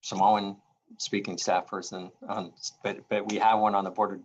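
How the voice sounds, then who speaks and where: A man with a fairly low voice leads a public meeting over a video call. He speaks agreeably and reassuringly, pausing with hesitant fillers and restarts. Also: level tone, darkish tone, muffled recording. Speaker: library official leading the meeting.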